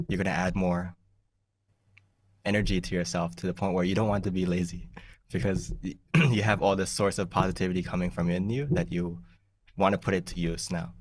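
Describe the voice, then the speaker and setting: A young man, a monk who grew up in the United States, giving an easygoing meditation talk on a video call, often laughing and clearing his throat. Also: low-pitched, level tone, a little fast, distant mic. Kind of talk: relaxed teaching talk over a video call. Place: small plain room indoors. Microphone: large desk mic in front of him.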